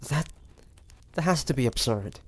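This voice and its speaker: A man voicing a wary, stubborn demon hunter from the 1850s in a dramatic audio roleplay, with halting, pointed delivery. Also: mid-range voice, expressive, no echo, close to an everyday voice. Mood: disbelieving. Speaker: voice actor.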